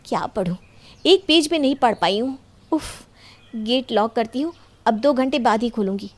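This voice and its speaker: A woman's voice: on the high side, animated, moderate pace, voice pushed up. A woman voicing a polite, anxious young bride who wants to study, in a story. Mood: frustrated.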